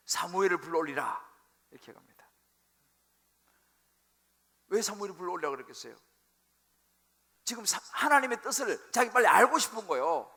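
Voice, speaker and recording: A male pastor preaching a sermon, telling the story with animated, acted-out quotes. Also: high-pitched, vocal fry, slightly rough. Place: church sanctuary.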